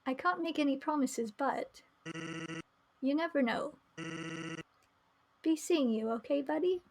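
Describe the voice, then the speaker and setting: A woman's voice: sits high, unhurried, darkish tone. A woman voicing a laid-back, teasing male skeleton from a video game, in a casual drawl. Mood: easygoing.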